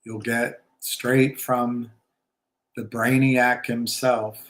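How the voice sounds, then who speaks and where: A man's voice: mid-range voice, little pitch movement, drawn-out words, a bit bright. A man hosting a casual livestream about markets, rambling and opinionated with wry asides. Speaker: livestream host. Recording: roomy echo.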